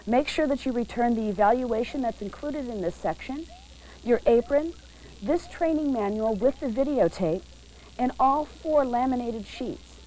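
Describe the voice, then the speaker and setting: A woman narrates a training video in a clear, measured, instructive voice that sits slightly high. The sound comes from a worn VHS tape copy, with a faint hiss behind her. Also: a little mellow, low-quality recording.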